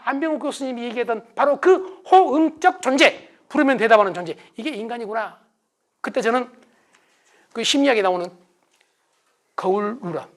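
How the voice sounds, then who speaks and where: A middle-aged man giving a motivational lecture, asking the audience questions and answering them himself. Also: extremely high pitch. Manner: acts out shouted family calls. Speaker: success lecturer.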